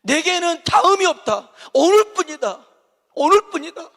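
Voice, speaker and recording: A frantic blind beggar, shouting up high in a strained, pleading cry, as a preacher acts him out. His voice rings through a big hall with a long echo. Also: very animated, moderate pace, vocal fry, full character voice. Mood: desperate pleading. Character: desperate blind beggar man crying out.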